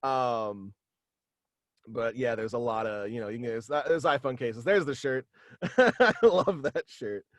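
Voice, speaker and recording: Casting: young adult male, mid pitch, dry close sound, halting casual podcast guest who rambles. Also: no room sound. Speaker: guest, voice actor and podcast creator. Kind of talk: casual interview chat. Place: small room at home, video call.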